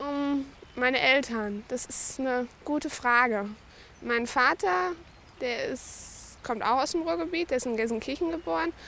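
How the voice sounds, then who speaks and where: Over noticeable background noise, a woman projects a raised, high-pitched voice at a fairly slow pace, her intonation lively. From western Germany, Ruhr area (near Bochum). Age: 20s. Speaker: interviewee, aspiring actress. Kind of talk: interview. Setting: outdoors by a river.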